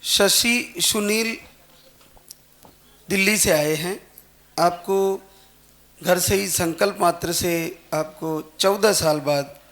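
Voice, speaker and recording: Guy hosting a devotional show, high voice, asks quick leading questions, congratulates everyone. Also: fairly bright tone. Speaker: host of a devotional program. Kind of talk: questioning guests, announcing blessings.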